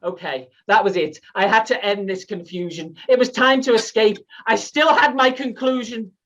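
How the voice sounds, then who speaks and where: High-pitched, theatrical British man. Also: normal speed, a bit bright, far from the mic, highs cut off. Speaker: competition speaker. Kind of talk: rehearsed comic storytelling in rhyme.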